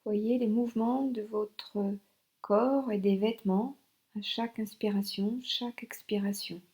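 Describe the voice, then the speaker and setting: A woman instructor leading a guided yoga relaxation in short instructional phrases with pauses. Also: medium pitch, steady tone, warm tone.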